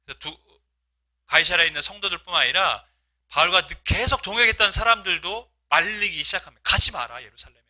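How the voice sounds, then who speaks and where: A man's voice: high-pitched, fairly quick, bright, forceful tone. A male pastor preaching a sermon, asking his congregation rhetorical questions and acting out quoted speech with feeling. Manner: voices quoted speech with rising emotional emphasis.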